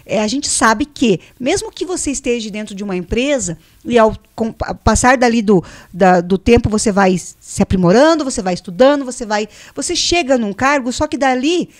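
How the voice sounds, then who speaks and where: A woman's voice: on the high side, lively intonation, moderate pace, hardly any pauses, no echo, studio quality. A Brazilian woman hosting a radio talk show, chatty and encouraging as she leads the conversation. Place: radio studio.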